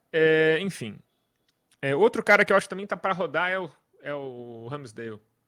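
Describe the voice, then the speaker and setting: At a moderate pace with long, frequent pauses, a man with a fairly high pitch and a bright, sharp tone speaks with lively intonation and big swings in loudness. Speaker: football fan channel host. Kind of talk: post-match football analysis monologue. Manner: animated, informal with hesitations.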